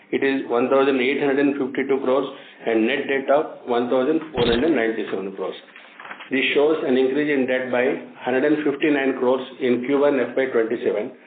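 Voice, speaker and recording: A man with an Indian accent formally reading out financial figures as an executive on a company earnings call, now and then stumbling over numbers. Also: mid-range voice. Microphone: phone conference line. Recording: tinny phone line, echoey, faint noise.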